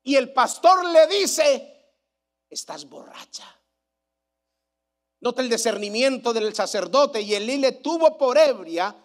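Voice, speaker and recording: A man's voice: very high-pitched, lively intonation, measured pace. A male pastor preaching a sermon, emphatic and repetitive, asking his congregation rhetorical questions. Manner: emphatic preaching, repeats phrases for weight.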